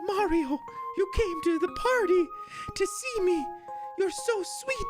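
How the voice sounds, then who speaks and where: Against clear music in the background, a put-on character voice at an extremely high pitch speaks at a fairly slow pace. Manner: sweet, flirty.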